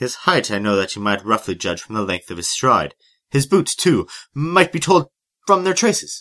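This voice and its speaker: Recorded very cleanly against a silent background, a man with a fairly high pitch and vocal fry talks at a moderate pace, his pitch swinging very widely. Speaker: narrator actor.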